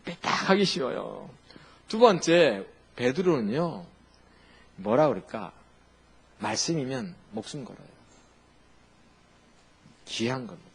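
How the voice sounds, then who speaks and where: A middle-aged male pastor preaching a sermon in an animated, conversational way, asking the congregation questions and laughing along. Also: mid-range voice, slow, creaky, pauses often, breathy edge.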